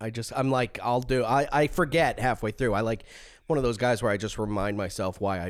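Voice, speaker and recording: In a very clean recording with a silent background, a normal speaking voice with an American accent moves at a fairly quick pace with lively intonation. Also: man. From Long Island, New York. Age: 30s. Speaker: comedian. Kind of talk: casual chat.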